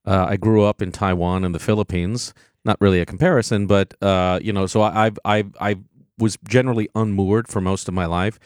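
A man's voice: fairly low pitch, steady tone, brisk, clear, resonant tone, no echo, clean studio sound. A man being interviewed on radio as an actor guest, talking eagerly and often restarting and repeating words.

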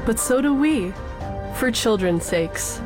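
A woman's voice: fairly high pitch, lively intonation, over music. A woman narrating a charity advertisement in a heartfelt voice-over. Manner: slow, heartfelt.

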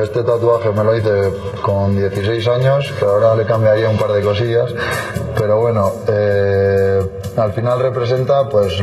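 A man's voice: on the low side, mellow. Earnest man in a roomy space. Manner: earnest, hesitant, many fillers. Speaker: interviewed goalkeeper. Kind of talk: interview clip. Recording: roomy sound with faint music.

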